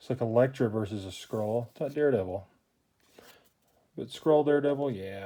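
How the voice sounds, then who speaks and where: A man with a medium-pitched, dark and mellow tone talks at a moderate pace with ordinary pitch variation and long, frequent pauses. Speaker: trading card collector. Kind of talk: casual unboxing commentary. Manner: mumbling at times.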